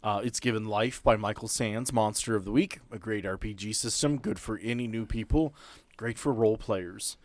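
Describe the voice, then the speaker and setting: A man's voice: on the low side, normal speed, no room sound. A man hosting as game master, talking casually. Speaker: game master and podcast host. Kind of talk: casual chat.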